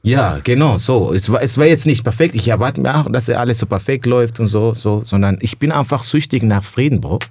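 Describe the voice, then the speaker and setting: A young adult man from Burundi, a stand-up comedian, talking casually and emotionally as a podcast guest, slangy and full of halting restarts. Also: medium pitch, a little mellow, husky, no room sound. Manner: slangy, says "bro" often, halting restarts.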